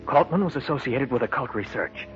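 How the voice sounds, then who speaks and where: An actor narrating and playing a main character in a 1950s radio drama, steady and earnest, on a dull old broadcast recording. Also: male voice, medium pitch, fairly quick, over music, natural voice.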